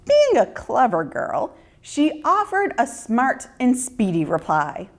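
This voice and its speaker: A woman reading a children's story in an expressive, deliberate narrating style. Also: fairly high pitch.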